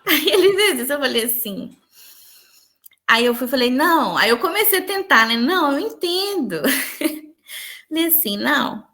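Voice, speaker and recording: A young woman tells her story in a high voice, speaking earnestly and softly. She sounds like an interview guest recounting a deeply personal experience. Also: gravelly. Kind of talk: emotional personal testimony.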